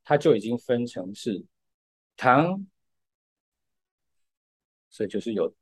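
A man's voice: on the low side, expressive, a little fast, warm tone, husky. A man, patiently explaining music in a casual podcast chat and using lots of fillers. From Taiwan. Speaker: podcast co-host.

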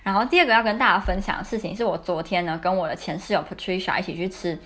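A woman's voice: on the low side, fast talker, fairly bright tone. A young woman from Taiwan with a Taiwanese Mandarin accent, hosting a podcast and telling personal stories in a chatty, candid, confiding way. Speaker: podcast host. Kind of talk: casual storytelling chat.

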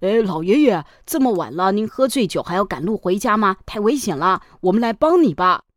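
A woman's voice: mid-range voice, lively intonation, a little fast, no room sound, studio quality, natural voice. A woman doing a falsely friendly ghost. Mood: coaxing. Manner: sweetly coaxing. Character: ghosts posing as kindly passersby, falsely friendly.

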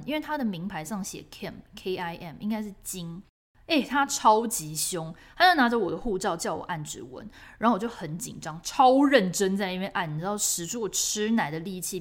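A woman from Taiwan with a Taiwanese Mandarin accent, hosting a podcast and telling a personal story in an animated, expressive way. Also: mid-range voice. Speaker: podcast host.

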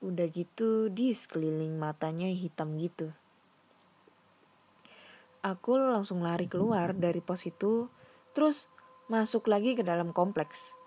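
A woman's voice: on the low side, a little slow, long pauses, dark tone. A young woman narrating a first-person horror story in slangy, casual, dramatic storytelling over a noisy recording. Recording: noisy background hiss.

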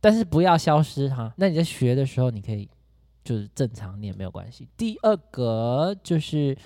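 Playful, animated man co-host. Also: medium pitch, normal speed, no room sound, clean studio sound. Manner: playful, exaggerated delivery. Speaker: podcast co-host. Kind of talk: casual chat.

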